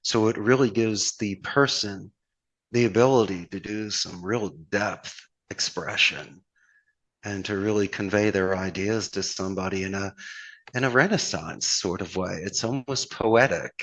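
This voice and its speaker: A man's voice: on the low side, a little slow, a bit bright, low-quality recording. A man from Philadelphia with a Philadelphia accent, talking as a podcast guest in an earnest, flowery, motivational way with plenty of rhetorical questions. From Philadelphia, United States. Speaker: podcast guest, call center owner. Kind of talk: conversational podcast interview, motivational anecdotes.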